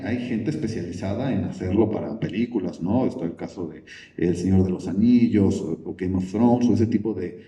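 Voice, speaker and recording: A man's voice: fairly low pitch, warm tone. A man, a film director, answering at a press conference, thinking aloud with many restarts. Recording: echoey room, from a distance.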